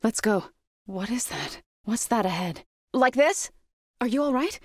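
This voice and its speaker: Earnest young tribal warrior woman for a video game, grave n solemn, measured phrasing, real dry recording. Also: a little high, animated, no room sound. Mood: urgent, alert. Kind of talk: video game character voice acting.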